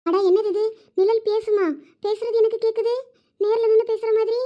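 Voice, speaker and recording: A woman playing a proud, tearful young wife; thin, very high voice, Thoothukudi Tamil accent. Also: little pitch movement, moderate pace, dull audio. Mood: sulky. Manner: reproachful, insistent. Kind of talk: cartoon voice acting.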